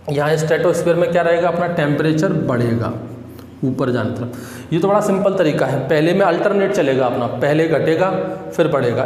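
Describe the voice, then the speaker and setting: Male teacher, fairly high voice, question-and-answer lecture style, reverberant classroom. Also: darkish tone. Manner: asks the class questions and answers them himself. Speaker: agriculture exam teacher. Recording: echoey room with long reverb.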